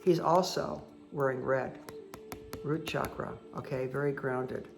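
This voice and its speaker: Croaky woman giving a card reading. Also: a bass voice, steady tone, a little slow. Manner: chatty, reassuring, addresses listener directly. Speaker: tarot card reader. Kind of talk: casual spoken card reading. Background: background music.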